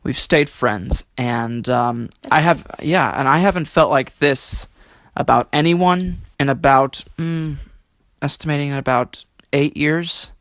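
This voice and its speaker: A man speaking as an interview guest, reflective and halting, telling personal stories with quirky, theatrical turns of phrase. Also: fairly high pitch, fairly bright tone, dry recording. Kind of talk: conversational interview, personal storytelling.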